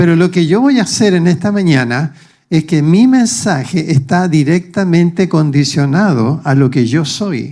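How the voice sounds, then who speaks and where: Speaking fairly slowly, a man with a high pitch uses lively intonation and a dark, mellow tone. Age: 70s. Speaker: preacher. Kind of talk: sermon.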